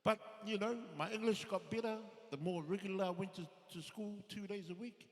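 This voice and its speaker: A man's voice: high-pitched, a little fast. A man, doing a laid-back, self-deprecating stand-up set on a theatre stage. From New Zealand, Samoan family. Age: 50s. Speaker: stand-up comedian. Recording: long hall reverb.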